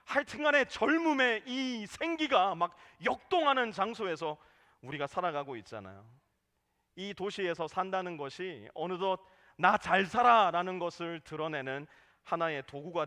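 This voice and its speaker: A man preaching a sermon as pastor in a church, animated, now and then acting out what church members say. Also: high-pitched. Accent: Korean. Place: church sanctuary. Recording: long hall reverb.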